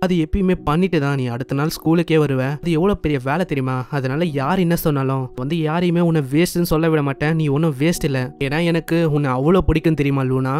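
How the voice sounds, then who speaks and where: A kind teenage boy from an anime who reassures a friend, read by a man. The delivery stays quick and slightly high, in the reader's everyday voice. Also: a little mellow, close to an everyday voice. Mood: reassuring. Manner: plain own voice.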